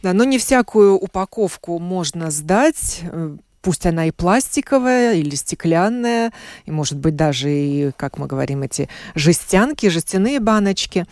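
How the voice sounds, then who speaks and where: A woman radio host asking clear, direct questions in a studio interview. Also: on the low side, animated, moderate pace, darkish tone, dry recording.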